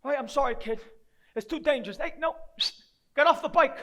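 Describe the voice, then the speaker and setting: Man playing a high-pitched, desperate, foul-mouthed down-and-out father. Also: fairly quick, a bit bright. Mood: nervous, pleading. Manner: rambling, profane, streetwise, talking to an unseen child. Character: down-and-out grieving father, foul-mouthed, self-loathing, desperate loser. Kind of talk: dramatic monologue acting.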